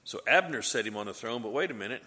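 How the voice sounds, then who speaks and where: A man's voice: medium pitch, animated, quick pace, sharp tone, in a large hall. A man teaching a Bible class review. He asks the class questions, answers them himself, and adds light joking asides.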